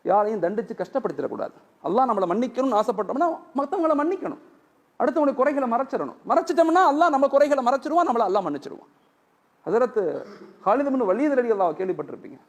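A man's voice: very high-pitched, quick pace. A male Islamic preacher giving a sermon, telling stories and acting out the dialogue. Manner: animated storytelling, acting out dialogue.

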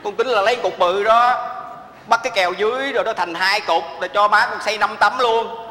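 A whiny broke gambler son. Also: male voice, high voice, a little fast, bright, forceful tone. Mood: wailing. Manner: whiny, stammering, wailing exclamations. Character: penniless man, gambler, comic prodigal son. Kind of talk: stage comedy sketch. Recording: echoey stage with long reverb.

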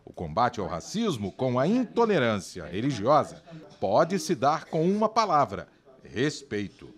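A man's voice: mid-range voice, wildly swooping pitch, unhurried. A man reading a scripted television news report as the reporter.

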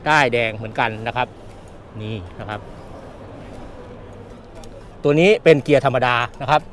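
A man giving a casual walkaround tour of a car at a busy indoor motor show, chatty and repeating his points as he films. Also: fairly high pitch. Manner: chatty, repeats points, ends phrases with polite particles. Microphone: handheld camera mic, presenter off camera.

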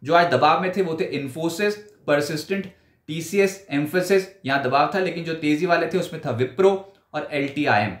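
A man's voice: on the high side, roomy sound. Emphatic male market news anchor. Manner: brisk, emphatic delivery with hand gestures. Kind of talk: stock market roundup commentary. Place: indoor studio before a branded backdrop.

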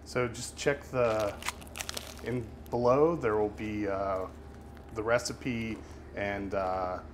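A man's voice: lowish voice, steady tone, slow pace, slight background noise. A man hosting a podcast, chatting in a friendly joking way with a guest chef. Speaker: podcast host. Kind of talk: casual interview chat.

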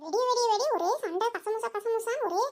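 Woman voicing Karuppayi, a shrill gossiping neighbor. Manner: breathless rapid gossiping, chuckling asides. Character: gossiping nosy village woman neighbor, insistent. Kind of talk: cartoon voice acting.

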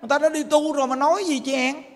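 A Buddhist monk with a Southern Vietnamese accent, telling a story in a lively, animated sermon. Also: male voice, extremely high pitch, very fast. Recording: reverberant hall, faint noise.

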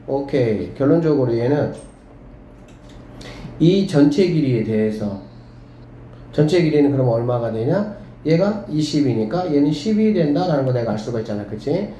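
A man teaching a math class to students, lively and often checking whether they follow. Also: mid-range voice, moderate pace, pauses often. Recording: echoey room with faint background hum.

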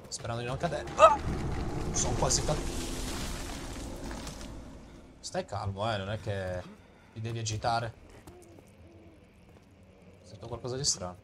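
A man's voice: medium pitch, lively intonation, measured pace, long pauses, very noisy. A man with an Italian accent, jokingly playing a horror game and reading its texts aloud in a dramatic voice. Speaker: let's play gamer.

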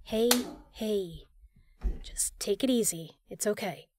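A woman's voice: medium pitch, slow, background noise, close to an everyday voice. A woman playing a tough, capable spy in an audio drama, flirty yet caring. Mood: gentle, soothing. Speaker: voice actor in a fan audio drama. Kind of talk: audio drama acting, intimate.

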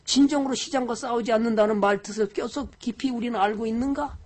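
A woman lecturing on stock investing in a lively way, firing off rhetorical questions to her audience. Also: on the high side, fast.

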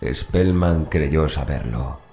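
A man's voice: very deep voice, drawn-out words, warm tone. A man narrating a scripted horror story as an audiobook narrator, with music behind him. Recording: voice over background music.

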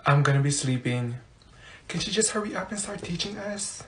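A woman playing a grumpy, mouthy high school student in a comedy classroom skit, blunt and complaining. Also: normal speed, close to an everyday voice. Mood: muttering, bored.

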